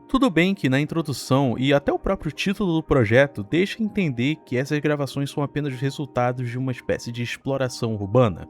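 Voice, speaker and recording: A Brazilian man narrating scripted video commentary in an informal, explanatory way with slangy asides. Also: mid-range voice. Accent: Brazilian Portuguese.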